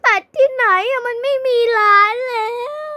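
A woman's voice: very high-pitched, normal speed, sharp tone, pitched above the performer's own voice. A young girl voicing a melodramatic mother who sobs and wails over her broken glasses in a toy game role-play. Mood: weepy. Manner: sobbing, wailing melodramatically.

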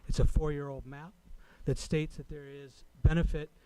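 A man speaking as a resident at a public meeting, delivering a prepared comment in a formal, deliberate way. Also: fairly high pitch, level tone, mellow, clear, resonant tone, rough recording. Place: city council chamber.

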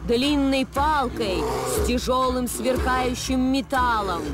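Solemn cartoon tribal leader. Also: female voice, sits high, music in the background. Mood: solemn narrating. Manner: measured, solemn storytelling. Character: grave, wise tribal woman leader. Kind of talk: animated adventure cartoon dub.

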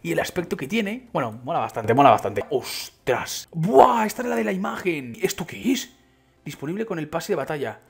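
A young man with a Spanish accent reacting to a video game with excitement. His voice sits high and swings widely in pitch, leaping up on exclamations. A husky edge runs through his tone. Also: moderate pace. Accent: Spain Spanish. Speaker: gaming YouTuber. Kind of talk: excited gameplay commentary.

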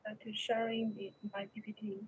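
A young woman with a Chinese accent giving an academic presentation over a video call in a halting, hesitant way. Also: mid-range voice, level tone, husky, rough recording. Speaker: research presenter.

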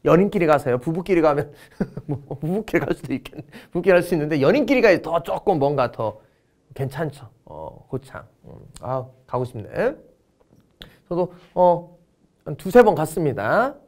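Lively, joking man lecturing. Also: fairly high pitch. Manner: joking, storytelling, drawn-out words for effect. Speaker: history lecturer. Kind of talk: online exam-prep lecture.

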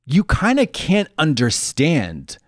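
Animated man in his thirties on a handheld mic, his pitch swinging around as he chats and slips into mimicked voices. the room sounds tight and dry, with nothing behind him. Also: slow, dry recording. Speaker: podcast co-host. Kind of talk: casual chat. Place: small decorated studio indoors.

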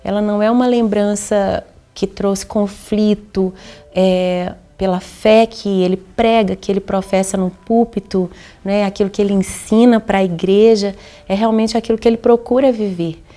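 A woman's voice: medium pitch, fairly even intonation, moderate pace, mellow. A woman in a documentary interview, speaking reflectively about her father with easy laughter. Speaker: interviewee, daughter of a pastor.

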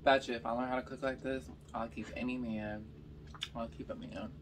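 Chatty, slightly raspy young woman vlogger. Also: extremely low pitch, fairly even intonation, brisk, distant mic, noisy background. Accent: slight Californian. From Georgia, US South. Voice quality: a little raspy. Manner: chatty storytelling between bites, lots of "like" and "y'all". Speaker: mukbang vlogger. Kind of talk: casual chat while eating. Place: bedroom, indoors.

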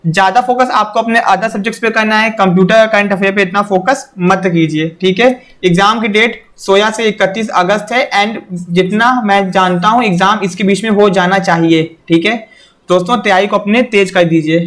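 Giving direct instruction in an exam-prep class, a young man keeps saying "theek hai" and "yaad rakhiyega", meaning "okay" and "remember this". He speaks at a moderate pace in a high-pitched, fairly bright voice.

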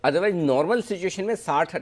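A man's voice: high voice, moderate pace. A middle-aged man giving confident studio market analysis, explaining figures step by step. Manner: explanatory, confident, works through numbers aloud. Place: TV news studio.

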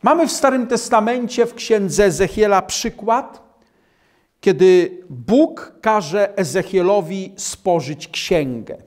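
An older man in his sixties, standing at a lectern in a small hall, preaching a Bible sermon and reading scripture aloud in a measured, emphatic way. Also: high voice, lively intonation, a little mellow. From Poland. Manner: measured, emphatic preaching, slowing on key phrases. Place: small hall with world maps behind a lectern.

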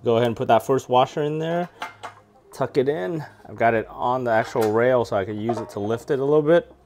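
A man in his thirties talks through assembling and testing a tool in his home garage. His delivery is easygoing and practical, sitting at an ordinary middle pitch. He sounds like a hobbyist sharing tips while he works. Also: a little fast. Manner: relaxed, practical, explains step by step. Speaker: DIY garage tool reviewer. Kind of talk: casual how-to narration.

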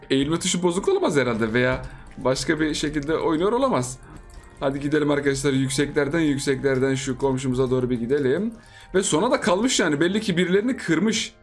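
A young man with a slightly high voice that swings widely in pitch, talking through a match in a joking, teasing way. He laughs often and keeps up playful gameplay commentary as a gaming YouTuber, with faint music under him.

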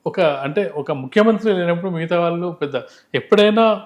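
A man's voice: high voice, animated, fast, lo-fi sound. A man giving unscripted political analysis in an interview, emphatic and explanatory, repeating phrases to drive points home.

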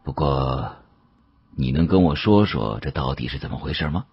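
A genial older government director, played by a male audiobook narrator, speaking in a very deep and husky voice. He is unhurried and shrewd, probing in a patronising way. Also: animated, no room sound, lo-fi sound, heavily acted. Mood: patronising, calm.

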